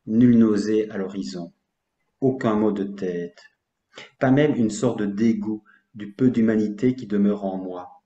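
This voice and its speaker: A man hosting an interview, asking questions in a measured, thoughtful way and reading poetry aloud. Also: fairly low pitch, warm tone, echoey room, dull audio. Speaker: interviewer and host.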